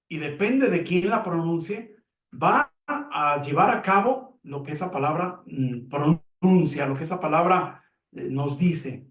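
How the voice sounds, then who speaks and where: A man giving a calm, measured religious lesson, explaining with simple examples. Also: fairly high pitch. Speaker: Catholic teacher on a program. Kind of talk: reflective religious teaching. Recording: echoey room, mic at a distance.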